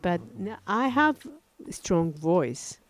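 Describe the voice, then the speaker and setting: Slow, halting older Japanese pastor. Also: male voice, high-pitched, very animated. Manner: halting, frequent self-corrections and restarts. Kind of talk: sermon. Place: church platform at a wooden lectern, indoors.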